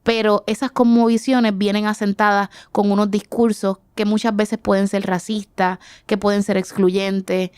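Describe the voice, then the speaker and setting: A woman's voice: mid-range voice, little pitch movement, normal speed, hardly any pauses, darkish tone, clean tone, no room sound, clean studio sound. A woman in her forties from the Dominican Republic, answering interview questions reflectively and searching for her words. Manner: thoughtful, searching for words, frequent restarts. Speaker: artist guest.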